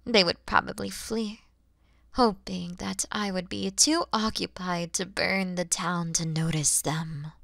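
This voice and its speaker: A woman's voice: on the low side, fairly even intonation, a little slow, gravelly, a bit bright, no room sound, studio quality. A woman voicing a proud, wary, motherly female dragon in a theatrical, menacing ASMR roleplay, at times dropping into whispers. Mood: brooding. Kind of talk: ASMR audio roleplay acting.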